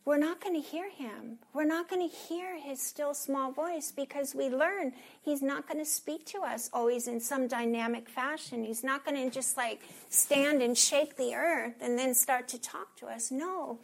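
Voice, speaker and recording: A woman preaching a sermon in an earnest way, sometimes dropping to a soft hush for emphasis. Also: high-pitched, a little slow, gravelly, hardly any pauses.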